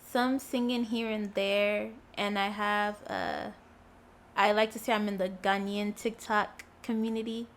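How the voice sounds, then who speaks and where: A young adult woman chatting as an interview guest. Her voice is mid-pitched and easygoing, and her answers are short and punctuated by giggles. Faint background noise is present. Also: little pitch movement, measured pace. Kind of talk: casual interview chat.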